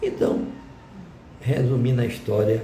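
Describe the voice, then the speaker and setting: Against noticeable background noise and audible room echo, a man speaks at a fairly slow pace with fairly even intonation. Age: 80s+. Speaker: retired physical education administrator. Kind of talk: interview testimony. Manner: halting.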